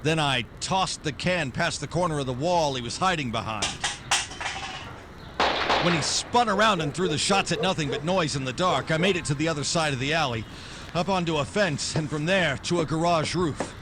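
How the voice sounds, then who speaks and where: Actor as wisecracking hard-boiled detective, higher-pitched. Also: male voice, normal speed, noisy background, lightly acted. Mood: tense narration. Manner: clipped wisecracking, hard-edged delivery. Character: tough, sardonic, threatening male hard-boiled private detective. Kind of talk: 1940s noir radio drama acting, first-person narration.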